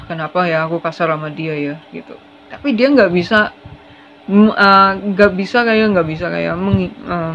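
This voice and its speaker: A tarot reader talking casually through a reading, expressive and quick to laugh, slipping in English phrases. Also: medium pitch. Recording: slightly muffled lo-fi recording.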